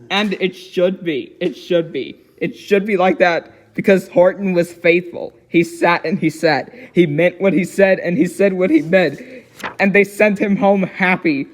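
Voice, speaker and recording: A man voicing a cheerful young girl who reads a storybook aloud in an expressive, giggly way. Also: high voice, measured pace. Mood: animated storytelling. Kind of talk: dramatic storybook reading with giggly asides.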